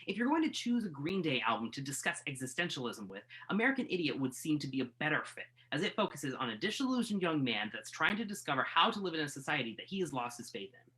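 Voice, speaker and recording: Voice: medium pitch, very animated, fast, sharp tone, poor audio. An actor playing a skeptical, wry journalist in a play reading, argumentative and questioning. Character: skeptical, wry entertainment journalist debating music. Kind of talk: conversational dramatic play reading. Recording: virtual reading over internet call.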